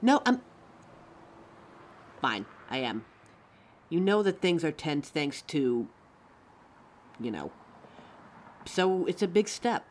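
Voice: medium pitch, big pitch swings, takes it slowly, long pauses, a little hiss or hum. A performer playing a caring, anxious young werewolf partner in a roleplay audio drama, tender and fussing, stammering when flustered.

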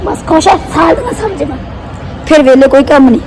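High, hoarse woman vlogger. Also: expressive, brisk, a crowd in the background, background noise. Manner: teasing, complaining. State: hoarse, strained sore throat. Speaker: family vlogger. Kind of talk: casual vlog banter with partner.

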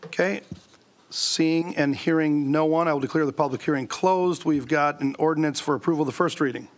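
A man chairing a city council meeting as mayor, reading agenda items in a brisk, procedural way at a desk microphone in a council chamber. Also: on the high side.

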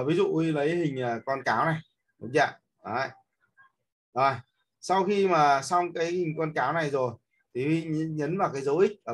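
A man teaching an app step by step, with many fillers and frequent checks that his listeners are following. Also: on the high side. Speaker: instructor. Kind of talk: screen-recorded app tutorial.

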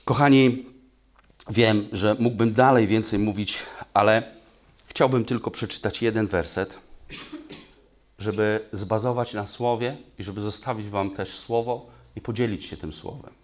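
A man preaching a sermon in a church, telling stories with lively sound effects, at times moved to tears. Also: fairly low pitch, measured pace. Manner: animated, acts out gunfire with spoken sounds; emotional, voice breaks. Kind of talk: sermon with storytelling. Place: church hall.

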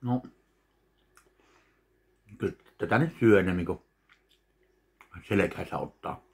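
A man in his thirties from Finland, casually tasting and judging candies at home, talking slowly between bites. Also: deep voice, expressive, gravelly. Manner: slow, chewing between remarks. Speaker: candy taste-test vlogger. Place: home kitchen, indoors. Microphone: webcam at desk distance.

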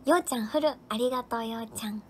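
Female live-stream host, high voice, cheerful, rattles through viewer names and thank-yous. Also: fast, husky. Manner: cheerful, thanks viewers by name one after another. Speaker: livestream host. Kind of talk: casual live-stream chat reading viewer comments.

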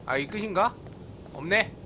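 With a bright, forceful, high-pitched voice, a male gaming host delivers expressive commentary at a moderate pace. He plays it casual and exclamatory over the video game sound, teasing and talking back to the characters.

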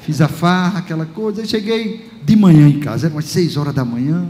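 A man with a Brazilian Portuguese accent, a pastor giving a lively personal testimony in a large church, acting out conversations as he goes. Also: fairly high pitch, a little fast, a little hiss or hum. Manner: lively storytelling, acts out dialogue, chuckles often. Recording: reverberant church hall, faint ambience.

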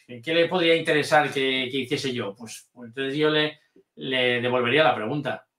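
A hesitant man speaks as a guest in a casual chat. His voice is bright, and it rings with a roomy echo. He halts and restarts often. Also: medium pitch, moderate pace. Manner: hesitant, full of restarts and fillers. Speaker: guest, channel manager.

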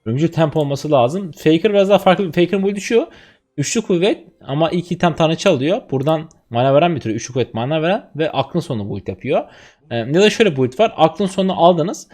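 Excitable young man commentating gameplay. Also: on the high side, quick pace. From Turkey. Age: 20s. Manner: excitable, chatty, talks to viewers while playing. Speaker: streamer.

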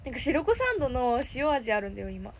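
Woman, Kansai accent, high animated voice, chatty livestream talk, noisy background. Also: fast. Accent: Kansai Japanese. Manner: chatty, thanks viewers often. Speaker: idol livestreamer reading comments. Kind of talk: casual livestream chat.

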